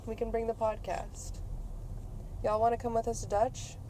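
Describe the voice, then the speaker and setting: A woman's voice: a little high, level tone, normal speed, mellow, poor audio. A woman hosting a casual, playful podcast chat in a car, slangy and swearing now and then. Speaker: podcast host and ASMR creator. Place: inside a car on the road. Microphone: podcast microphones, portable. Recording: clear car and road noise.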